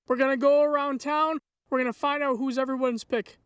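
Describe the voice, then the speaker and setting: A woman's voice: high-pitched, steady tone, fairly quick. A woman presenting a light segment as a local TV sports reporter.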